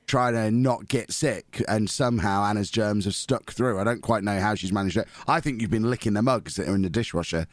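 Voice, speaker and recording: A man hosting a casual podcast, his voice hoarse and nearly gone, teasing his co-hosts cheekily. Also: lowish voice, fairly quick, few pauses, dry recording, clean studio sound. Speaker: podcast host. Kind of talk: casual chat.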